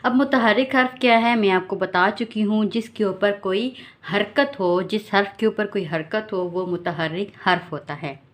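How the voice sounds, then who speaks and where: A woman teaching Quran reading rules, patiently spelling out letters and repeating sounds slowly so learners can follow. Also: mid-range voice. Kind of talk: tajweed lesson, slow drilled recitation.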